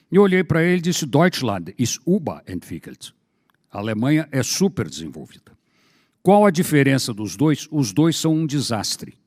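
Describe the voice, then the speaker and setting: A man talks at a moderate pace. His fairly high voice has very wide pitch swings. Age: 60s. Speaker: insurance journalist and lawyer. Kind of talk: conference talk. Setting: conference event.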